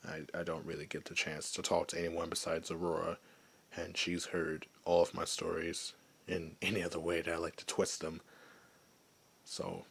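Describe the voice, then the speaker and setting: A man playing a gentle, lonely werewolf who was once human, in a soft, hesitant, confiding ASMR roleplay voice. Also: low voice, monotone, normal speed, vocal fry, slightly rough, exaggerated voice. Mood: wistful, grateful. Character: gentle, lonely male werewolf, former human, wistful outcast.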